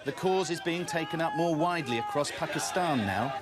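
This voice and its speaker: A man reporting a scripted news package as a foreign correspondent, in a measured, grave tone. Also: on the high side, a loud crowd, very noisy.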